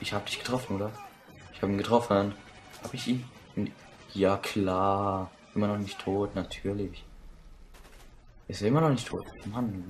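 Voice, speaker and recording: Young man, lowish voice, casual let's play commentary, crude outbursts, faint music behind. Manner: crude, swearing, excitable outbursts.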